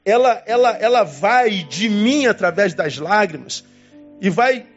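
A man preaching a sermon as pastor, emphatic, with dramatic swings in pitch and long pauses. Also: expressive, muffled recording, soft background music.

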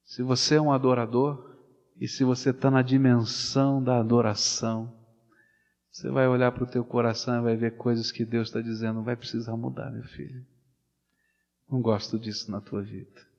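A man with a Brazilian Portuguese accent preaching a sermon, swinging from loud animated storytelling to hushed, slow pleading. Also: medium pitch. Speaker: pastor. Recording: dull sound with long hall reverb.

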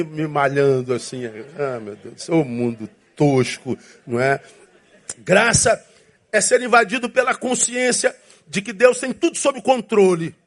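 A pastor preaches a sermon in an animated, playful way. His voice sits a bit high for a man, and he slips into little acted-out voices to make his points. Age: 50s.

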